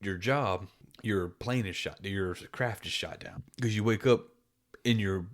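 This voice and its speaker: A man co-hosting a casual gaming podcast, rambling and animated, often restarting his sentences. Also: fairly low pitch, measured pace. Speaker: podcast co-host.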